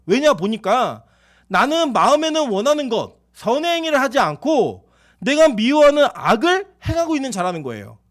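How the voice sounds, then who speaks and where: A male pastor preaching a sermon in a church, swinging from loud peaks to quiet asides and telling self-mocking stories. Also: extremely high pitch. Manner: tells a self-mocking story about his own life. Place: church sanctuary.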